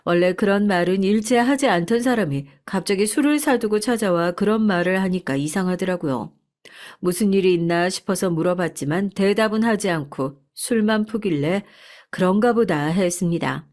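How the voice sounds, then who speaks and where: A woman narrating a first-person life story in a calm, reflective, scripted manner. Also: on the low side.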